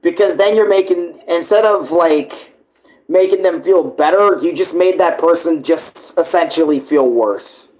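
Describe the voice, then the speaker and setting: Casual, higher-voiced man rambling in reaction. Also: measured pace, a little mellow, rough recording. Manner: rambling, informal, often addressing others as bro or dude. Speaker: live reaction host. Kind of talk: casual reaction commentary with slang and swearing.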